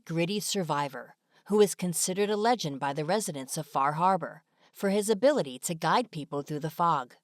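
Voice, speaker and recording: A woman's voice: lowish voice, no room sound, studio quality. A woman reading scripted narration for an online video as a voice-over. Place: close, dry voice-over recording.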